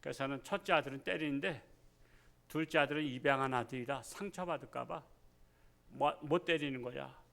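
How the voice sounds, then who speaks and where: A man's voice: mid-range voice, a little fast, gravelly, bright, forceful tone. A male pastor preaching a Sunday sermon, emphatic as he reads scripture and tells a story. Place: church service.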